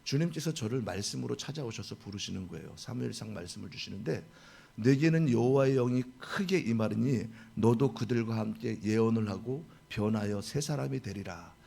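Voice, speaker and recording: A man's voice: fairly low pitch, moderate pace, vocal fry, breathy edge. A pastor in his forties preaching a sermon, acting out the dialogue of the people in the passage. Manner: animated, acts out dialogue in quotes.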